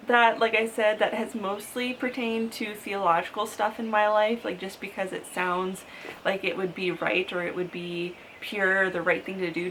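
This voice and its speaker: A thirty-year-old woman sits down to chat with her viewers in a relaxed, friendly vlog. Her pitch sits in a middle range, and her talk is loose and full of "like." A faint hiss runs under her voice. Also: poor audio. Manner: chatty, frequent "like" fillers, upbeat with light laughs. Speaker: lifestyle vlogger. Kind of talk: casual sit-down talk to camera.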